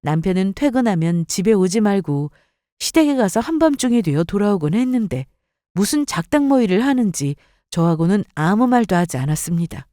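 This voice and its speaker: Expressive woman narrating a story radio. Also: mid-range voice, a little fast, no echo, studio quality. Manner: expressive, voices a cold, firm wife.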